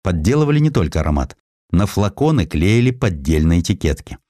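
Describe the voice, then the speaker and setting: A man narrating a historical sketch as an audiobook, telling it expressively and slowing down for quoted lines. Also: dry recording, studio quality. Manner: expressive storytelling, voices quotes with shifts of pitch and slowing down.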